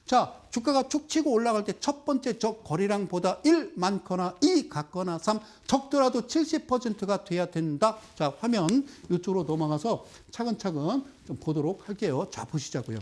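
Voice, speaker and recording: Animated high-voiced man lecturing on stocks. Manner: animated, talks straight to viewers with rhetorical questions; drops into slow, drawn-out explaining while pointing at a chart. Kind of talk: televised investment lecture.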